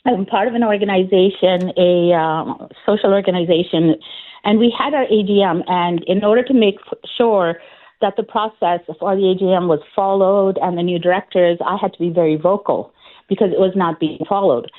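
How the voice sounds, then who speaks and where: A woman's voice: fairly low pitch, moderate pace. Woman, political candidate, earnest campaigning tone, frequent fillers and restarts, phone-line sound. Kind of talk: phone interview on talk radio.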